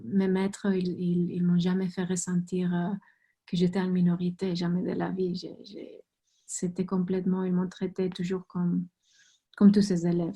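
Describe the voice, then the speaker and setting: A woman calligrapher answering questions on a video call, halting and often repeating words while she thinks. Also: mid-range voice, mellow. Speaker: guest calligrapher and teacher. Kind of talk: answering questions in an online talk.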